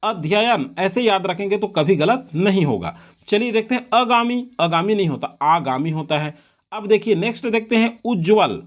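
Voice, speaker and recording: A male teacher giving an exam-prep lesson on correct spelling, slowly repeating words to drill them. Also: high voice, expressive.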